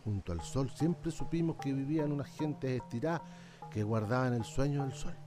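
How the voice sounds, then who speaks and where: An actor playing a weary, humble old indigenous islander in a radio drama, speaking in a rustic, halting way with a southern Chilean accent. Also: male voice, mid-range voice, expressive, music in the background, lightly acted. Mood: pensive. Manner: rustic, deferential, halting storytelling.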